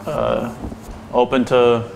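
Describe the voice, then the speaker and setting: A man's voice: mid-range voice, fairly even intonation, slow, vocal fry, a little hiss or hum, poor audio. A man chatting casually as a barbershop client, easygoing and agreeable. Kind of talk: casual chat. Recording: loud buzzing clippers over the voice. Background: loud electric shaver buzz.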